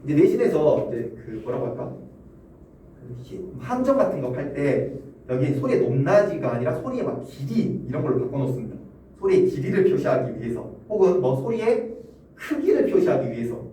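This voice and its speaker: A man's voice: medium pitch, dark tone. A male Korean language teacher giving a classroom lecture, asking students questions and chuckling often. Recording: roomy classroom echo, distant mic, faint hum.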